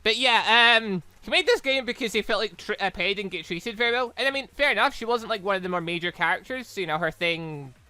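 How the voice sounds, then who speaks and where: Animated, bright-voiced young man rambling excitably. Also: sits high, quick pace, hardly any pauses, clear, resonant tone, faint music behind. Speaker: gaming channel host. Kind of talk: casual Let's Play commentary.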